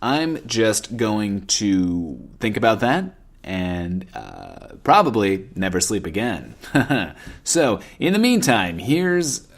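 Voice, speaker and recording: Man playing a wry, slow-talking bunker radio host. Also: on the low side, huge pitch swings, heavily acted. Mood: uneasy. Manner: halting, wry, sarcastic. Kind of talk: comedic audio drama radio hosting.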